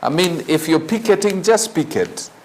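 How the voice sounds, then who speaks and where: A man with a Kenyan accent hosting a morning show, reading news in a halting, opinionated way with rhetorical questions. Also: sits high, animated, a little mellow. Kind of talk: newspaper review with off-the-cuff opinion.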